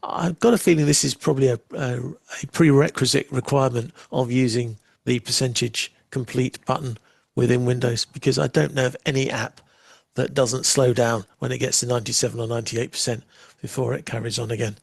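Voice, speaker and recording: A man hosting a live software demo, chatting casually and making wry asides while he waits. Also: mid-range voice, fairly even intonation, brisk, creaky, slightly rough, dry recording, clean studio sound. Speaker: livestream host demoing software.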